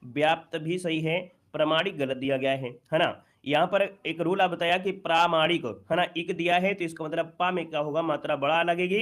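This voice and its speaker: A man with a slightly higher-than-average voice leads an exam-prep Hindi spelling lesson. He walks through each question patiently and keeps asking rhetorical questions so he can answer them himself. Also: a bit bright.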